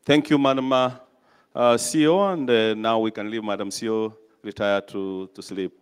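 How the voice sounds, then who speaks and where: Man chairing a meeting, low and smooth voice in an echoey hall. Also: normal speed. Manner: lively announcer, introducing speakers.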